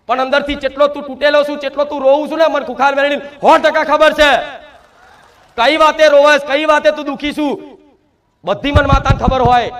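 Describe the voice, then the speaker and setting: A man's voice: very high-pitched, a bit bright. A man giving an emphatic devotional sermon, speaking in the first person as a divine mother to her devotees and asking rhetorical questions. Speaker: spiritual medium speaking as the goddess to devotees.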